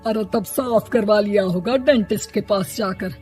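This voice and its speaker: A woman voicing an irritable, proud middle-aged mother-in-law in an animated story, nagging and scolding with exasperation. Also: medium pitch, moderate pace, soft background music, lightly acted. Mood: indignant.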